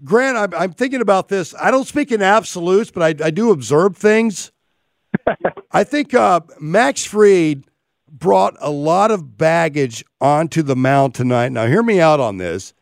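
A raspy, gravelly-voiced man hosts a sports talk show, talking through a game in a loose, rambling way. The sound is close and dry, with no room around him. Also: on the high side, expressive, unhurried, dry recording. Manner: rambling, conversational analysis.

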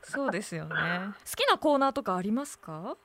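A woman's voice: a little high, sing-song, a little fast, a bit bright. A woman hosting a radio show and podcast, interviewing a listener casually by phone, speaking politely and chuckling often.

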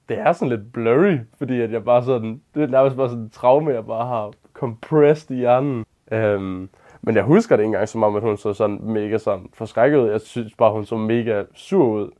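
A man's voice: fairly low pitch, mellow. An eighteen-year-old man from northern Denmark telling an embarrassing story casually, self-deprecating and rambling with many fillers. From Northern Jutland, Denmark. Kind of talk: casual anecdote.

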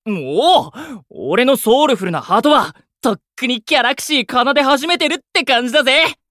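A man's voice: extremely high pitch, animated, moderate pace, sharp tone, no echo, clean studio sound, heavily acted. A man playing a hot-blooded, boastful young idol with exuberant, theatrical bravado in an anime-style audio drama. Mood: fired up.

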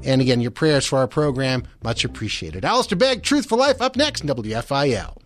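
A man's voice: medium pitch, sing-song, a little fast, faint music behind. A man hosting a Christian talk radio show, speaking conversationally in an earnest, encouraging, explanatory way. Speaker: radio host.

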